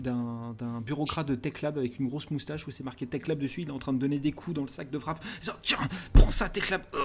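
A man's voice: medium pitch, dark tone. A man narrating a tabletop role-play game as game master, hesitant and full of restarts.

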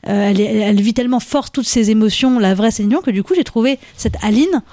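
A woman's voice: a little high, fast, mellow, no room sound. A woman with a cold, slightly stuffy, speaking on a podcast panel. The recording is very dry and close. She rambles and keeps correcting herself mid-thought. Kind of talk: casual podcast chat.

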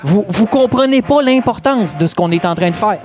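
A man's voice: high-pitched, animated, darkish tone, faint music behind. Joking Québécois man calling an auction. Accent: Québécois French. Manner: playful, joking, drawn-out bid calls. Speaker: auctioneer and emcee at a live event. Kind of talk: live comedic auction calling.

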